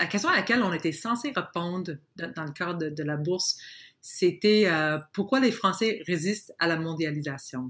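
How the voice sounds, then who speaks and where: In a very clean recording with a silent background, a woman with a fairly low pitch speaks at a moderate pace and with lively intonation. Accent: English. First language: English (speaking French). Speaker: journalist and author. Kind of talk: interview. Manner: halting, many repetitions and fillers.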